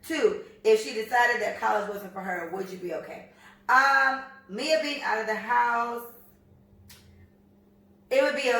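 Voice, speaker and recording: An American woman in her thirties co-hosting a podcast, talking bluntly and profanely in an animated, storytelling way. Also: medium pitch, recorded from a distance. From United States. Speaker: podcast co-host. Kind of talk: casual chat. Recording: echoey room, voice off-mic.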